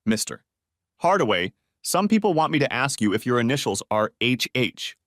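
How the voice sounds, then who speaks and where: A man's voice: mid-range voice, very animated, moderate pace, a bit bright, no echo. Narrator doing nervous young intern guy, hesitant, dry sound.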